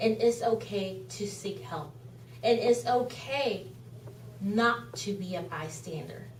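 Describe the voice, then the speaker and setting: Over noticeable background noise and audible room echo, a woman speaks at a medium pitch with very wide pitch swings. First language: Spanish. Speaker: charity founder, speaker. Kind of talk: presentation to a club.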